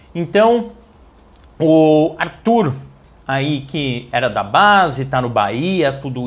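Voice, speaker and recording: Very wide pitch swings in a fairly high male voice. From Brazil. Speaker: football fan vlogger; football fan channel host. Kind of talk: casual vlog commentary. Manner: animated; halting. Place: home room. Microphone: lapel.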